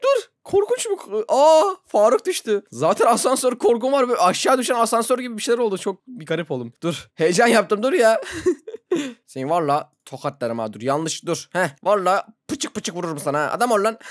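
A gaming YouTuber giving casual let's-play commentary, excitable, laughing often and yelping when startled. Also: mid-range voice, no echo, studio quality.

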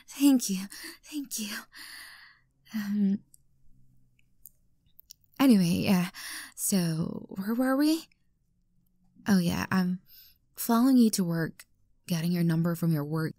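A woman's voice: on the low side, darkish tone, dry recording, studio quality. A woman playing an obsessive, unstable young stalker girlfriend in an intimate ASMR roleplay, sweet and menacing by turns. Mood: apologetic, then breezy, self-justifying. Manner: breathy whispers, halting, swinging from coaxing to outbursts. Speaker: voice actor in audio roleplay.

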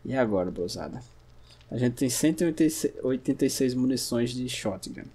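A man from Brazil giving casual gameplay commentary, chatting to himself and his viewers, sometimes breaking into sudden shouts. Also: mid-range voice, expressive, normal speed, husky. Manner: chatty, talks to himself and the audience, bursts into shouts at scares. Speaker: gameplay streamer.

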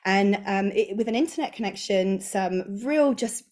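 A woman's voice: medium pitch, normal speed, a little mellow. An enthusiastic woman in her thirties with an English accent, chatting as a guest on a podcast over a video call from her home office. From England. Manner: bubbly, enthusiastic, gestures a lot. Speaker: guest, course creator. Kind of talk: casual podcast interview. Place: home office with bookshelves, indoors.

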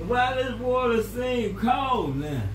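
A man chatting casually in a relaxed, drawling way while he sits in an outdoor hot tub at night, with a whoop now and then. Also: very high-pitched, takes it slowly. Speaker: vlogger. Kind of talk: casual chat. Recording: far from the mic, echoey, loud water jets. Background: bubbling water.

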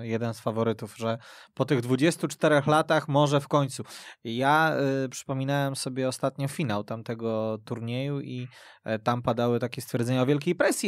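A man's voice: medium pitch, dry recording, clean studio sound. A man hosting a football discussion on the radio, with hesitant, stop-start phrasing. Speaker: host. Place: radio studio.

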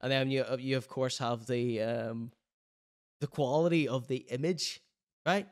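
A man's voice: mid-range voice, unhurried. A man, reacting live on stream with playful hype-man banter and mock-serious critique. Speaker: streamer reacting to a music video. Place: indoor streaming room.

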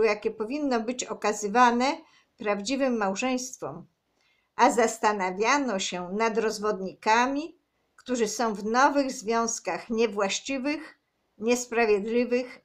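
A woman on her own channel reading a religious book aloud in a slow, measured, earnest way. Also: on the high side.

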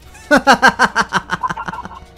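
A man's voice: mid-range voice, big pitch swings, unhurried, soft background music. A man voicing a menacing, grandiose villainous knight from an anime. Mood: taunting. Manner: grandiose, threatening, theatrical.

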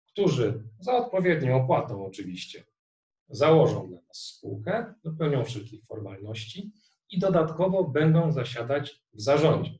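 A middle-aged man giving a recorded online lecture on tax law, explaining a worked example step by step in a measured way. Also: mid-range voice, a little mellow. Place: room indoors. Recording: roomy, distant webcam sound.

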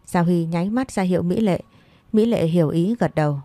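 A woman narrating a scripted romance story with steady storytelling, recorded as a close voice-over. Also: fairly low pitch, brisk, no echo, soft background music. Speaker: audiobook narrator.

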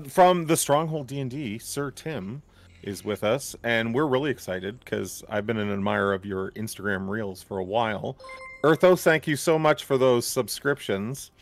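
A man's voice: on the low side, normal speed, gravelly. A man hosting a charity game stream on a headset, upbeat and introducing guests. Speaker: stream host. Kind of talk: casual chat.

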